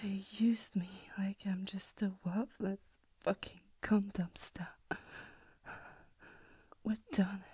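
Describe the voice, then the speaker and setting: A woman performing an acted audio roleplay to a listener, by turns pleading tearfully and whispering softly. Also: mid-range voice, fairly even intonation, slow, long pauses, breathy edge, no room sound. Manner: hushed, intimate whispering.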